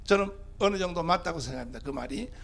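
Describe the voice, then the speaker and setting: A man's voice: a little high, expressive, quick pace, a bit bright. A male pastor, giving an emphatic political rally speech full of rhetorical questions to the crowd. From Gyeongsang (TK) region of South Korea.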